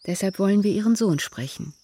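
A woman narrating in the inner voice of an anxious mother in a radio play, quiet and halting, sometimes whispering. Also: medium pitch, lively intonation, husky. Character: anxious mother of a troubled son.

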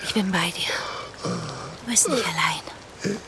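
A woman playing a distressed but defiant and compassionate thirties character in a naturalistic radio drama, speaking haltingly. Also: lowish voice, animated, heavy background noise. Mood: tender, soothing. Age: 30s.

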